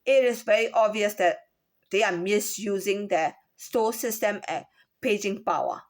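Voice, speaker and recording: A woman with a Chinese accent gives a halting personal account of a workplace complaint, often repeating words and asking rhetorical questions. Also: medium pitch. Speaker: former store employee.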